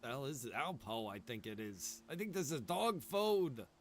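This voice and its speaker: A man's voice: medium pitch, lively intonation, normal speed, slight background noise. A man chatting casually while livestreaming a survival game, joking in a laid-back way and laughing often. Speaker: live streamer playing a survival roleplay game. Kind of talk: casual gaming livestream chat.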